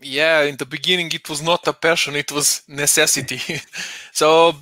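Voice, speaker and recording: Bright, dry-voiced middle-aged man. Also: a little high, flat delivery, no echo. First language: Serbian. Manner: measured, hesitant, lots of filler pauses. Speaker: interview guest, data professional. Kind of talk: casual video-call interview. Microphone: headset on a video call.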